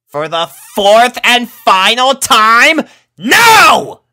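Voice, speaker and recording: Brash young mare for a cartoon pony tale, raised pitch, swooping, impatient, emphatic; male reader. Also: big pitch swings, very slow, bright, forceful tone, full character voice. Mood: angry, exasperated. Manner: emphatic, exasperated.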